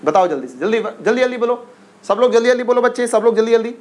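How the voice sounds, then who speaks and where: A male teacher giving an exam-prep lesson, repeating himself and coaxing his students to answer quickly. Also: very high-pitched, expressive, a little mellow. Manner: repetitive, coaxing, drills questions and urges quick answers.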